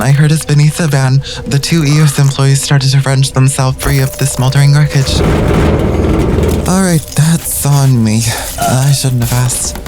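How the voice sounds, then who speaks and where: A man's voice: medium pitch, lightly acted. A man playing a wry, melodramatic young narrator in a first-person audio drama, with dry, self-deprecating delivery. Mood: tense. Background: music.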